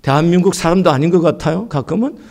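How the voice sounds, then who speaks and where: A middle-aged man from Gangwon Province preaching a sermon as pastor, swinging between soaring and hushed delivery. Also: fairly high pitch, fast. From Gangwon Province, Korea.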